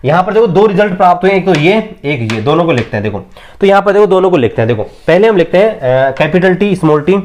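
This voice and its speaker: A man's voice: high voice, lively intonation, fast talker, darkish tone, a little hiss or hum. A man teaching an exam-prep biology lesson at a board, quizzing students and answering his own questions, stretching key terms word by word.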